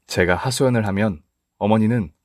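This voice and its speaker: Man, radio story narrator, steady storytelling, lowish voice, dry close sound. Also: fairly quick, no echo. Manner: steady first-person storytelling.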